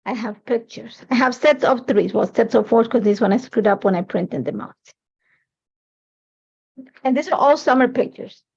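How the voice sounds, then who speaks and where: A woman with a high voice hosts a live craft tutorial. She is a native Spanish speaker and talks in an informal, chatty, meandering way. The livestream sound is somewhat dull and muffled. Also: normal speed, a little mellow, husky.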